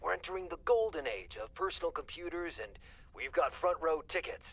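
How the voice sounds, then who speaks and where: Boastful tech boss, higher-pitched, swooping and salesy, game role, muffled phone-call sound. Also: male voice, animated, fairly quick. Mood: earnest, persuasive. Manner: grandiose salesman-like delivery. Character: boastful, enthusiastic male company boss. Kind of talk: video game voice acting.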